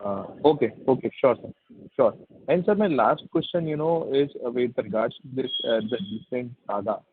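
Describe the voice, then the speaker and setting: Man, Indian accent, analyst caller, hesitant, deferential, medium pitch, phone-band audio. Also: lively intonation, normal speed, breathy edge. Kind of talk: earnings call questioning. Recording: muffled narrow phone line.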